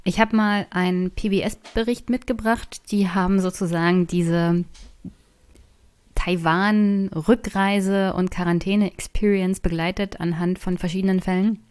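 A woman's voice: medium pitch, fairly even intonation, measured pace, a little mellow, clear, resonant tone. A woman hosting a podcast, leading the conversation and introducing clips. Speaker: podcast host.

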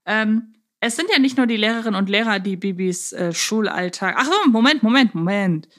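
A woman talks as a podcast co-host. Her voice sits at a middle pitch. She chats casually and works through her thoughts out loud, step by step. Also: lively intonation, brisk. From Hamburg, Germany.

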